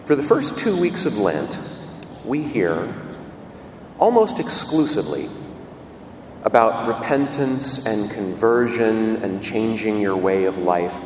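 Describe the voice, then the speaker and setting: Brief: lower-voiced male priest, lively emphatic preacher, cathedral echo in a large church, picked up from afar. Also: takes it slowly. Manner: lively preaching, leaning hard on key words. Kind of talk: gospel reading and homily at Mass. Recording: long church reverb, distant mic, room noise.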